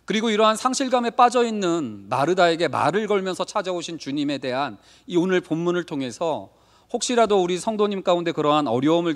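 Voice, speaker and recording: Lively male pastor in a reverberant church. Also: mid-range voice. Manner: conversational, asks the congregation questions; acts out short quoted lines. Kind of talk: Wednesday sermon. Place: church sanctuary. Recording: long reverb of a church hall.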